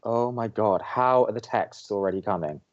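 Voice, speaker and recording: A man playing a sarcastic, reluctant young college radio co-host with an American accent and a deadpan manner, in audio drama banter. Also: on the low side, moderate pace, lo-fi sound, lightly acted. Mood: exasperated. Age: young adult.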